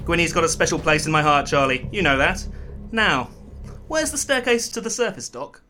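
A man's voice: fairly high pitch, animated, normal speed, pushed and bright, slight background noise. A man playing a gallant, plummy RAF squadron leader, in an audio drama. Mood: jovial.

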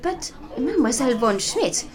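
Young French heiress in a radio drama, French accent, lively pitch, hesitant, played by a woman. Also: normal speed. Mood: alarmed. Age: 20s. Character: young French woman heading aircraft firm. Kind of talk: audio drama acting.

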